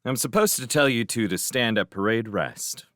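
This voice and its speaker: A man's voice: expressive, moderate pace, fairly bright tone, no echo, clean studio sound, natural voice. A man voicing a female soldier who giggles and chats, then cries out in terror as the ground shakes. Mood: chatty. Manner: giggly, then shrill panicked screaming. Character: female soldier Showen (Canada), chatty then terrified.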